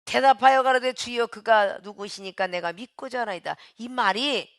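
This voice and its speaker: A woman pastor preaching a sermon with emphasis, swinging between shouts and hushed, quiet lines and calling out to the congregation. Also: fairly high pitch, moderate pace, no room sound, clean studio sound.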